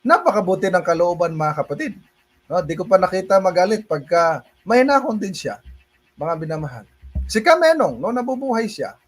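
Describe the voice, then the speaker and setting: A man's voice: high voice, sing-song, fairly quick. A man with a Filipino accent preaching a livestream sermon and answering viewer questions, switching between Tagalog and English and often laughing as he calls his listeners brothers and sisters. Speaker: pastor.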